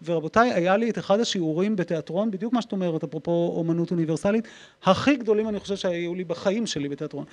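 A man in his forties with an Israeli accent, hosting a live interview and telling anecdotes in an expressive, emphatic way. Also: high-pitched. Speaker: host, interviewer. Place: public talk in a library room. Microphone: handheld microphone.

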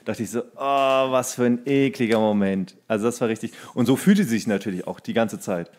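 A man's voice: mid-range voice, brisk, a little mellow. Man chatting casually, acting out his anecdotes. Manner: colloquial, re-enacts dialogue in his stories. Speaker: podcast co-host and actor. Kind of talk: casual anecdotal podcast chat.

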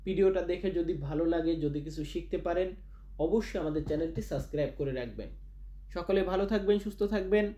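A man hosting a vocabulary lesson, repeating each foreign word slowly and stretching out its syllables. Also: high-pitched, warm tone, slight background noise. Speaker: language teacher, channel host.

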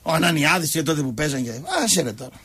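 A man's voice: fairly high pitch, a bit bright, breathy edge. A man hosting a radio show, telling comic stories and acting out the quotes in shifting voices. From Greece. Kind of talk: comic storytelling chat.

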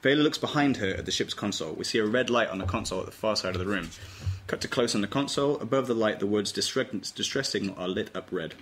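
A man's voice: on the low side, fast, a bit bright. A man narrating scripted stage directions aloud at an informal table read. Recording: noisy amateur room recording, clicks.

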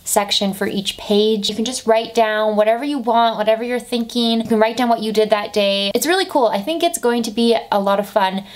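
A woman's voice: a little high, brisk, few pauses. Young woman, mid-twenties, chatty beauty vlogger, casual and upbeat, camera at desk distance. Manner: chatty, upbeat, lots of "like" fillers. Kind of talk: casual monthly favourites chat. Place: bedroom with desk and lamp, indoors.

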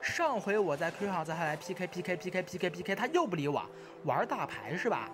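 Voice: medium pitch, big pitch swings, over music, close to an everyday voice. A performer in an amateur radio drama playing a hyperactive young male gamer who chatters, repeats words and badgers indignantly. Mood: excited, indignant. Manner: rapid-fire, repetitive, badgering.

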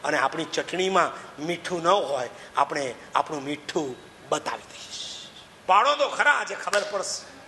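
Male preacher, high bright voice, lively storytelling sermon, echoey hall with faint room noise. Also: measured pace. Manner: animated, swings pitch and loudness while acting out quotes.

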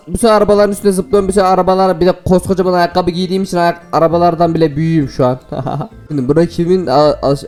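A man with a somewhat high voice gives lively, joking commentary over a game, talking straight to his viewers and laughing often. Faint music plays in the background. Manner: playful and excitable, laughs often, chats to viewers. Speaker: gaming video host. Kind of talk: excited gameplay commentary.

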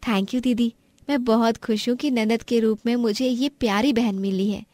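Casting: woman for a meek young daughter-in-law in animated drama, high, deferential voice, dry recording. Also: moderate pace, no room sound, close to an everyday voice. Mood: confiding. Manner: deferential, apologetic. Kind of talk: animated family story acting.

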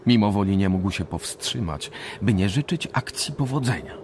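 A man's voice: fairly low pitch, expressive, moderate pace. A man narrating a macabre survival tale in a scripted radio play. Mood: storytelling. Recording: clearly noisy radio drama recording.

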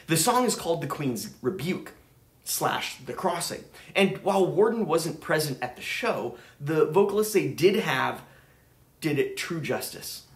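A man's voice: a little high, very animated, unhurried. Upbeat man vlogging in a roomy space. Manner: enthusiastic, chatty. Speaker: vinyl channel host. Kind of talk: casual travel vlog narration. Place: room with record shelves.

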